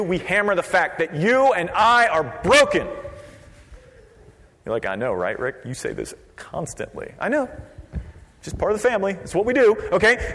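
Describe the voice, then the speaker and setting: Male pastor, conversational sermon, very expressive pitch, lots of room reverb. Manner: conversational, lively, drops to quiet for emphasis. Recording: long reverb of a large hall.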